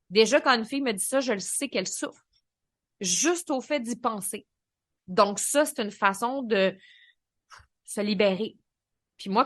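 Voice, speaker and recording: A woman with a Québécois French accent hosting a solo podcast, coaching in a lively, colloquial way. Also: a little high, no room sound. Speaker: podcast host and business coach.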